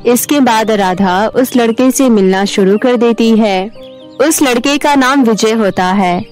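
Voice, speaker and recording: A woman narrating an animated children's story in a calm storytelling way. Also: on the high side, measured pace, faint music behind.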